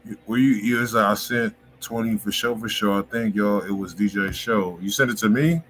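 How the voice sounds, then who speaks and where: Low-voiced man chatting in heavy slang. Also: steady tone, normal speed, a bit bright, a little hiss or hum. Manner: profane, repeats himself. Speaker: host of a music review livestream. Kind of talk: casual, slangy livestream chat.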